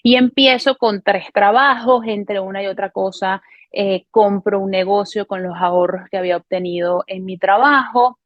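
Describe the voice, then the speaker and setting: A woman in her thirties from Venezuela gives a personal faith testimony to camera, in an earnest, unhurried way with frequent hesitations and self-corrections. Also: mid-range voice, fairly even intonation, dry recording, highs cut off. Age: 30s. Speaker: testimony speaker. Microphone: camera recording.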